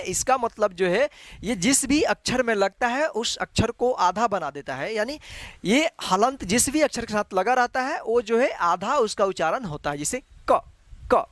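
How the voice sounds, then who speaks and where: Teaching Hindi online at an unhurried pace, this man goes over each letter several times with patience, leaning often on "jo hai." His voice sits high and a bit bright, with no echo.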